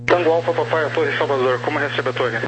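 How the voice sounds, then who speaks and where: A man's voice: fairly high pitch, fairly even intonation, fast. A Brazilian man working as an air traffic tower controller, giving clipped procedural instructions over aviation radio. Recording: very noisy aviation radio transmission.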